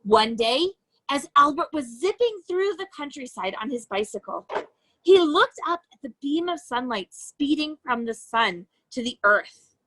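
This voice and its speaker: A high-voiced woman reads a picture book aloud to young children, her pitch swinging widely in a very animated delivery. Like an educator telling a story, she phrases each sentence deliberately and stresses the key words. The audio is poor.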